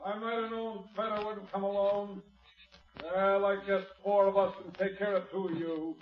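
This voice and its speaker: An actor playing a menacing rancher boss who taunts in folksy talk in an old Western radio drama. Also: male voice, high voice, little pitch movement, moderate pace, close to an everyday voice. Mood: menacing, taunting. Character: menacing male rancher boss with armed guards. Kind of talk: 1950s Western radio acting. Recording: muffled old radio recording, distant and echoey.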